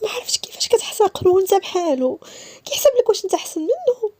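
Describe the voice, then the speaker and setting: A woman voicing a furious young wife who shouts in a high, strained Moroccan voice. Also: sing-song, rapid-fire, no echo.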